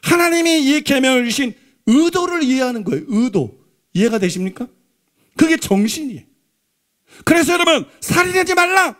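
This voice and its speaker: A man with a strikingly high voice preaches from the pulpit of a church. He drives each point home by repeating it and keeps turning to the congregation with rhetorical questions. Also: big pitch swings, normal speed, a bit bright. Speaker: pastor. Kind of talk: Sunday sermon. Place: church sanctuary.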